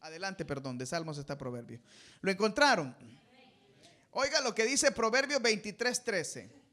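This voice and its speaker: High-voiced preacher, bright and sharp. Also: male voice, very animated, moderate pace. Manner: preaching to a congregation, prompting them to fill in words; emphatic, addresses listeners as brothers. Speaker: pastor. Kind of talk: sermon.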